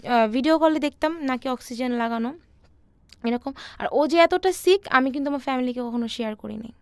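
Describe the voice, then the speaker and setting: A young woman, telling her personal story softly and hesitantly with many fillers. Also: high-pitched, brisk, clean tone, dry recording. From Bangladesh. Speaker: interview guest.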